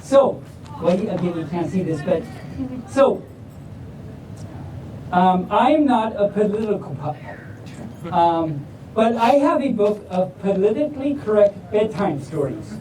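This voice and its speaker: A woman's voice: animated, a little slow, long pauses, mellow. A woman reading stories aloud to a live audience in a playful, silly way, rambling off into self-deprecating asides. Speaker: storyteller reading picture books to an audience. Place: large room at a live convention event. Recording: roomy, distant mic with faint rumble.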